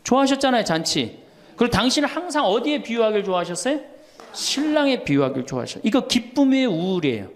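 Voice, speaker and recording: Lively, high-voiced older male priest storytelling. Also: quick pace. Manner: storytelling with laughter and lively quoted dialogue. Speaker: Catholic priest. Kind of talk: humorous sermon lecture.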